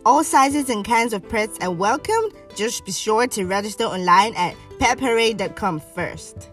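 A woman's voice: a little high, animated, measured pace, distant mic. A woman voice-over artist reading scripted advertising copy. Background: music.

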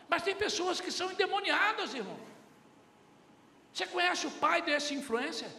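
A man's voice: very high-pitched, bright, forceful tone. A middle-aged man preaching a sermon as pastor, addressing the congregation and acting out little family dialogues. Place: church hall. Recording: echoey hall with faint room noise.

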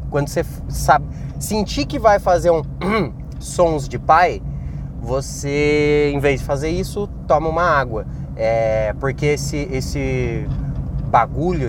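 A man hosting a podcast, rambling through a self-mocking comedic monologue. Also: fairly high pitch. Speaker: podcast host.

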